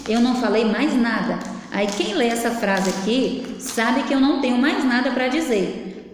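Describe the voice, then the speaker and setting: A woman teaching a class for young children, in a patient sing-song manner that keeps prompting them to look. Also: fairly high pitch. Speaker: primary school teacher. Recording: echoey, reverberant room.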